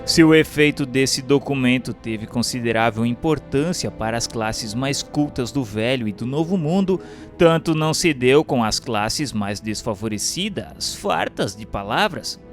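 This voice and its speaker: A man's voice: medium pitch, animated, unhurried, faint music behind. A Brazilian man reading a religious text as solemn scripted narration, in a formal, declamatory manner.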